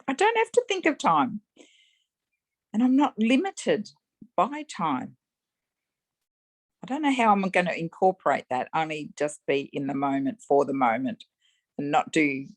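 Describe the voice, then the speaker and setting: A woman in a reflective, unscripted discussion, haltingly working through her thoughts aloud. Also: low voice. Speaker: study group participant.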